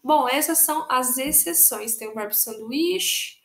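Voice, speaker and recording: High-voiced Brazilian woman teaching, echoey. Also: measured pace. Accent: Brazilian Portuguese. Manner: patient, repetitive explaining, spelling out letters. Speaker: English teacher. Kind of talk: recorded online grammar lesson.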